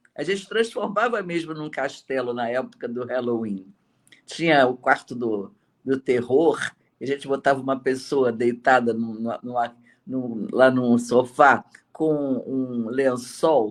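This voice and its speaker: On a very clean recording with a silent background, a man at medium pitch talks at a fairly slow pace with ordinary pitch variation. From Brazil, Rio de Janeiro. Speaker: children's author and retired teacher. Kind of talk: interview storytelling. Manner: animated.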